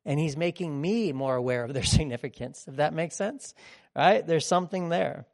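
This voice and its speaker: A man's voice: fairly high pitch, moderate pace, vocal fry, a little mellow. A man preaching a conversational teaching sermon in a rambling, digressive way, often checking in with listeners.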